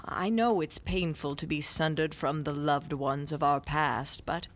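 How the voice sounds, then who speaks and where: A woman playing a sharp-tongued, defiant old wandering scholar in an audio drama, with a wry, declamatory manner. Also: low-pitched, fairly even intonation, a little slow. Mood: gently consoling.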